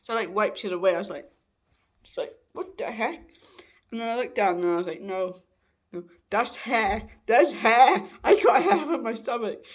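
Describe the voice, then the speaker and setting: A young trans man rambles casually in a personal vlog, frequently correcting himself and laughing. His high, fairly bright voice is slightly raspy and hoarse.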